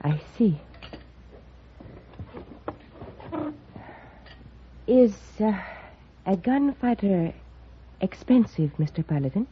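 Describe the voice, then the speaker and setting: An actress playing an earnest, pleading Native American rancher's wife in a 1950s radio western, with a breathy voice. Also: female voice, mid-range voice, animated, unhurried, slight background noise, natural voice. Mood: polite, wary. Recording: dull old-time radio recording.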